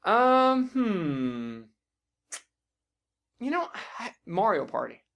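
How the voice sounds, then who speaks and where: A man's voice: sits high, very animated, drawn-out words, vocal fry, fairly bright tone. A man co-hosting a podcast, chatting about video games in a blunt, informal, sweary way. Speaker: podcast co-host.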